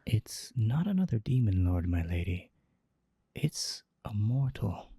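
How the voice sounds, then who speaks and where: An actor playing a deferential, hushed demon servant in a scripted ASMR roleplay. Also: medium pitch, big pitch swings, a little slow, husky, no echo, clean studio sound, full character voice.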